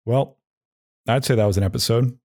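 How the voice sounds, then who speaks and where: A man hosting a casual solo podcast, rambling with halting, self-deprecating phrasing and dry, goofy humor. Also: medium pitch, a little mellow, no room sound. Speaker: podcast host.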